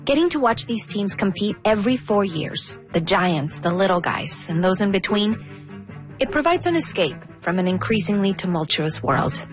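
A woman's voice: medium pitch, sing-song, normal speed, soft background music. A woman narrating a scripted radio feature in a reflective, personal storytelling manner. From United States.

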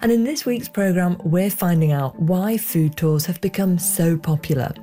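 A woman narrates a radio feature in a crisp, wry tone. Music plays clearly under her. She reads her lines with practised ease. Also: fairly low pitch, normal speed, mellow. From England. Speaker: radio presenter.

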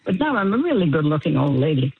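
A woman's voice: deep voice, big pitch swings, fast, breathy edge, no room sound. A woman in her eighties calling in to a radio show, cheerful and laughing as she talks. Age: 80s. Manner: cheerful, laughs while talking. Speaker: caller. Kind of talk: phone-in call to a radio show. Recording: tinny phone line.

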